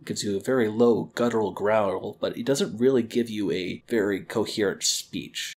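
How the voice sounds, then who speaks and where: Man, slightly low voice, husky, calm step-by-step teacher, desk microphone. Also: moderate pace. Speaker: library educator. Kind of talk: screen-recorded tutorial. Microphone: quality desk microphone.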